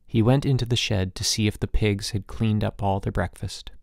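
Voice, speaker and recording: A man narrating a literary short story as an audiobook, in a measured, reflective storytelling manner. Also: fairly low pitch, fairly even intonation, creaky, darkish tone, dry recording, clean studio sound.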